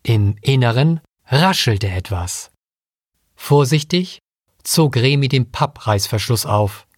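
A man's voice: medium pitch, animated, slow pace, no room sound. Guy reading a storybook, middle voice, dry close mic. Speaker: audiobook reader. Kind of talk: scripted narration.

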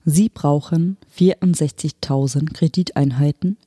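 An audiobook narrator reading a story in an even, measured way. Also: mid-range voice, no room sound, studio quality. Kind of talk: scripted narration.

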